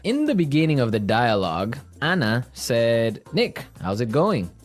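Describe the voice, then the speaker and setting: A man's voice: medium pitch, huge pitch swings, unhurried, soft background music. A man with a standard American accent co-hosting a language lesson podcast in a casual, conversational way.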